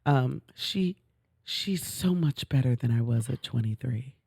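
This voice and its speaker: A woman's voice: rumbling low, animated, a little slow, gravelly, a little mellow, husky, no room sound, clean studio sound. A middle-aged woman co-hosting a talk show, chatting casually in an emphatic, effusive way and drawing out words for stress. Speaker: podcast co-host. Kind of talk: casual chat.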